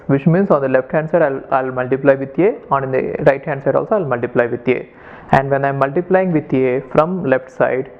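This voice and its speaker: Phone-like audio, Indian male lecturer. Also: mid-range voice. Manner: step-by-step, repeats himself, checks understanding. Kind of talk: explanatory math lesson.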